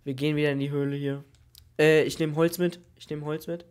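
Slightly sick guy doing minecraft lets play, excitable, keeps repeating stuff, bit high voice. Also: fairly quick, clear, resonant tone. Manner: excitable, exclaims and repeats himself. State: has a cold. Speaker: gaming YouTuber.

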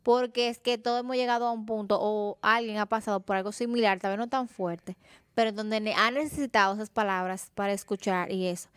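A woman co-hosting a talk show, speaking in a calm, measured, empathetic way. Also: medium pitch, smooth, dry recording. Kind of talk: studio debate.

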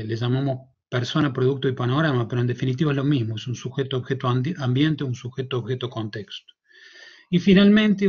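Cordobés man in his fifties, professor giving a halting conference talk from home on a headset, muffled call audio. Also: medium pitch, husky. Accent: Cordobés Argentine Spanish. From Córdoba, Argentina. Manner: thoughtful, hesitant, many fillers and restarts. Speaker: university professor presenting a paper. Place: small room at home.

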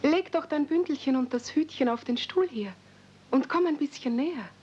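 A woman playing a gentle, lonely, well-bred twelve-year-old girl, speaking coaxingly in a 1970s radio play. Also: high voice, moderate pace, natural voice. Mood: friendly, coaxing. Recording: dull, humming, noisy old cassette transfer.

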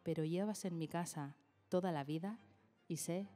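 A woman reads a page in a low, mellow voice. Her delivery stays measured and fond. Faint music plays beneath her. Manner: measured, affectionate reading. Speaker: reader of a tribute. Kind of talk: reading a written text aloud.

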